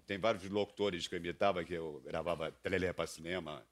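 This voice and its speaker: A man, a voice specialist guest answering interview questions slowly and earnestly. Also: deep voice, steady tone.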